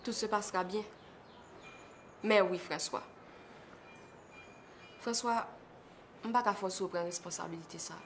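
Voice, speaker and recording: A woman's voice: mid-range voice, unhurried, pauses often, a little hiss or hum, close to an everyday voice. An actress playing a hurt, pleading young woman in a film. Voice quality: pleading, reproachful.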